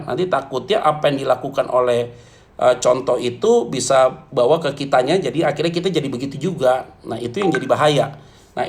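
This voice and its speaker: A man preaching to a congregation as pastor, animated and jokey, often turning to address his listeners directly. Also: medium pitch. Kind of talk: lively humorous sermon.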